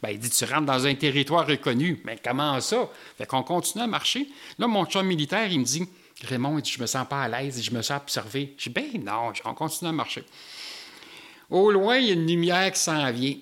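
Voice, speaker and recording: A man with a Québécois French accent, telling a personal story in an animated way with local slang. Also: a little high, brisk.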